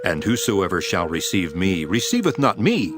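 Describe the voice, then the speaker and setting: A male actor plays a solemn, authoritative holy teacher in a Bible audio drama. His voice is fairly low and swings widely as he declaims. Music plays underneath. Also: huge pitch swings, normal speed. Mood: earnest teaching. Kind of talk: dramatized King James scripture reading. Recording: music behind the voice.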